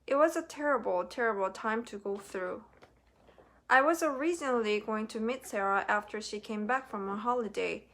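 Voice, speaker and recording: A woman's voice: fairly high pitch, a bit bright, slight background noise. A woman in her thirties from South Korea, telling her personal faith testimony in an earnest, heartfelt way. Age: 30s. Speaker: vlogger.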